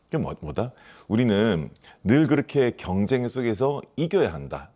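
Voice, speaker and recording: A man's voice: fairly low pitch, very animated, normal speed, dark tone. A man with a regional Korean dialect explaining life lessons conversationally as an author, emphatic and full of rhetorical questions. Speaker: author giving life advice.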